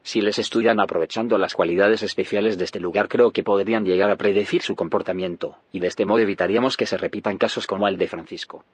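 An actor playing an earnest, persuasive leader of a research community in an audio drama. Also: male voice, lowish voice, steady tone, fast, few pauses, husky, dry recording. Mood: earnest, firm. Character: calm, idealistic male leader of a research community.

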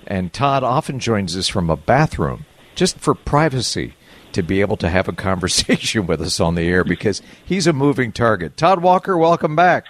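A man hosting a radio show, talking casually in halting, drawn-out phrases. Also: fairly low pitch, lively intonation. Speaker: radio host.

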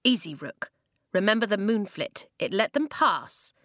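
A woman voicing a teenage boy who speaks calmly and firmly, giving commands. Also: mid-range voice, measured pace, no echo, studio quality. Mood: commanding. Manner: calm, firm, commanding.

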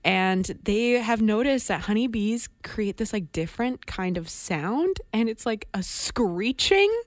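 A woman co-hosting a radio show, chatting casually with an animated, expressive manner. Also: medium pitch, dry recording. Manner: animated, expressive, quick reactions.

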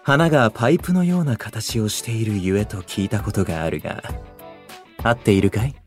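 A man's voice: lowish voice, a little fast, close to an everyday voice. Man acting refined, old-fashioned scholarly young idol, music behind. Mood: calm, thoughtful. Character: young man idol who speaks archaic, literary, refined Japanese. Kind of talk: anime-style voice drama acting.

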